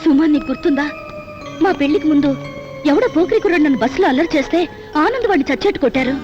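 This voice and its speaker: An anxious young wife confides her fears in a high, worried voice. The film audio sounds dull and lo-fi. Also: lively intonation, fast talker, over music. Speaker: wife, office worker. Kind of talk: Telugu film drama.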